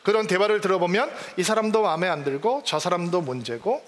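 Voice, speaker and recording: A pastor with a high-pitched voice preaches in an easy, conversational way and keeps questioning his congregation. His words carry a long reverb from the church sanctuary around him. The sermon moves along in a plain, talking tone. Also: animated, quick pace.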